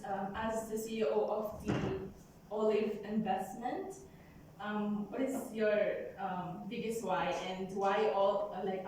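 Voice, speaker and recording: A woman's voice: mid-range voice, darkish tone, far from the mic, slight background noise. A woman from Mindanao in the Philippines asking a hesitant question at a forum, with many fillers. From Bangsamoro, Mindanao, Philippines. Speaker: audience member asking a question. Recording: echoey hall, off mic.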